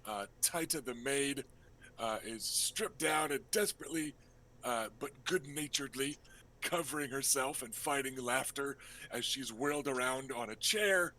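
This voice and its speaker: A man working as game master, narrating a tabletop role-playing game in a casual, halting, improvised way. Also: medium pitch, sharp tone, rough recording.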